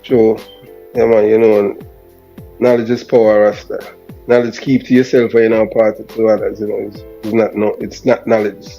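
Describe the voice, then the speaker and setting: A man's voice: on the low side, level tone, moderate pace. A man with a Jamaican accent speaking as an interview guest in casual patois sprinkled with Rasta speech. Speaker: guest, former police officer. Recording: dull lo-fi sound, music behind.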